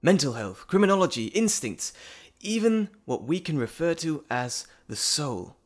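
Audio roleplay role, male actor: scholarly gentleman doctor, bashful and well-mannered, eager to ramble, articulate, very varied pitch. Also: sing-song, measured pace. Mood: passionate. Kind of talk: audio drama roleplay acting, addressing the listener.

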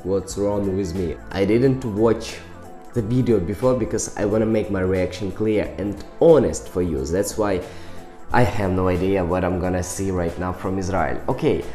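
Excitable Ukrainian man, deep and mellow. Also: normal speed, roomy sound, faint music behind. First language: Russian and Ukrainian. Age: 20s. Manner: excitable, exclaims often, non-native English with small slips. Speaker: music reaction vlogger. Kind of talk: casual reaction commentary. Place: small indoor room with ornate sofa.

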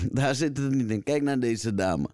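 Man, podcast host, casual chat, relaxed, dry recording. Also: medium pitch, unhurried, no echo. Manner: relaxed, agreeing often, many fillers.

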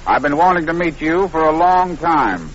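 A man's voice: fairly high pitch, animated, moderate pace, a crowd in the background, close to an everyday voice. An actor playing a polite, nosy male income tax collector in a 1930s radio comedy. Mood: polite, flattering. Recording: dull old 1930s radio recording.

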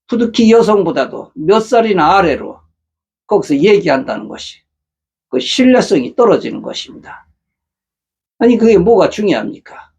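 A man's voice: high-pitched, gravelly, a little mellow, husky, highs cut off. A middle-aged man hosting a matchmaking channel, talking earnestly to viewers and lecturing with rhetorical questions. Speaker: matchmaking agency host. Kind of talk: casual monologue to viewers.

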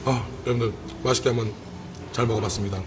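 Male mukbang vlogger, 30s, mid-range voice, eating as he chats, clear dish clatter around him. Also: mid-range voice, steady tone, quick pace. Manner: talking while eating, with savoring interjections. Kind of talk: casual mukbang eating commentary to camera. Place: indoors in a restaurant by open windows. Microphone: camera at arm's length on the table. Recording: noisy restaurant with clattering dishes.

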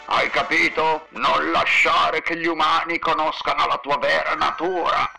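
Man as a gravelly, stern monster king. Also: on the high side, level tone, a little slow, pushed and bright, faint music behind, heavily acted, poor audio. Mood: stern, cautioning. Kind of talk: cartoon fandub acting.

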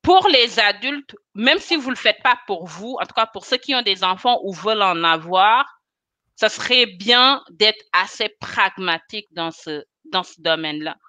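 Woman guest on a video call, bright punchy voice, talks with her hands and laughs a lot, dry webcam sound. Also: mid-range voice, measured pace, no room sound. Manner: animated, expressive, laughs often. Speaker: guest, chemist and cosmetics consultant. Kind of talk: casual video-call interview. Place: small room indoors.

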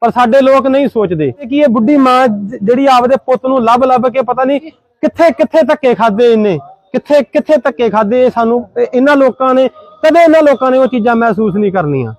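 A charity volunteer with a very high, expressive, slightly mellow voice briskly questions people outdoors among a crowd in a village and makes emotional, pleading, consoling appeals to viewers. The recording is dry and of poor quality, with crowd chatter behind.

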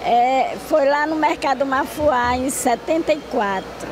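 A woman's voice: sits high, a little slow. An older woman answering a street interview at an outdoor produce market, talking plainly and unhurriedly into a handheld mic. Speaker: market vendor. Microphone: handheld reporter mic. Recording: busy market crowd behind.

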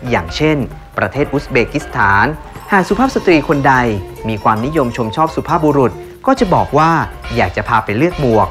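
A man reads a scripted documentary voice-over in a formal, measured way, speaking straight to the viewers. His delivery is lively, rising and falling in pitch. A loud music bed runs under the voice the whole time. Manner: formal, addresses the viewers directly. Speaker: documentary narrator.

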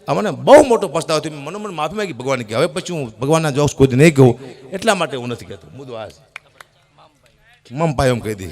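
Animated comedian man telling jokes. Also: medium pitch. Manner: animated storyteller, shouts punchlines. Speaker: folk comedian. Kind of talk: stand-up joke telling at a folk gathering.

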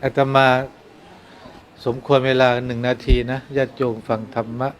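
A man who is a Buddhist monk gives an informal dharma talk. He explains things patiently and grows soft and earnest when he gives advice. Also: medium pitch, flat delivery, measured pace, slight background noise.

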